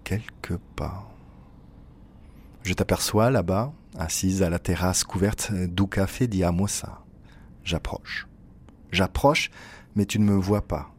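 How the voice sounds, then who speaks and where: Guy with a really low voice reading a personal story, slow and close, calm delivery. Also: husky. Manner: intimate, measured reading. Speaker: narrator. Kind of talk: scripted literary narration.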